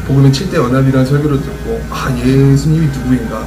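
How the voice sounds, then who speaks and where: A man goes at a fairly quick pace while clear music sits in the background. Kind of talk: interview answer. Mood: earnest, friendly. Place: cafe.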